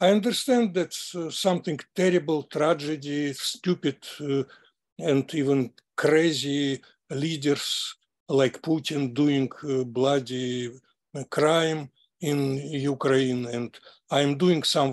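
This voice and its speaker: At a very slow pace, a man talks with a fairly high pitch. His pitch varies in an ordinary way, and the background is quiet. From Russia. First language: Russian. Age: 80s+. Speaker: artist; panelist. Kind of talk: panel discussion; panel discussion answer. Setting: video call. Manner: halting. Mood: serious, grave. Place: home room. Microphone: video call.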